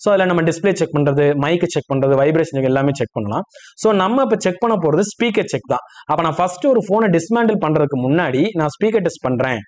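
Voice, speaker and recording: A phone repair instructor from India talks fast in a high, expressive voice, giving a spoken tutorial with step-by-step explanation. He explains things clearly and checks understanding with short questions.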